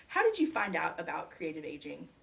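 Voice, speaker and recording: A woman's voice: low voice, huge pitch swings, a little fast, gravelly. A woman working as a librarian, asking questions in an oral history interview in a library.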